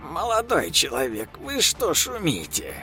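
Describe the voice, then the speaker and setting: A man voicing an old scientist, just woken up, gruff but inviting. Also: on the high side, wildly swooping pitch, unhurried, over music, pitched above the performer's own voice.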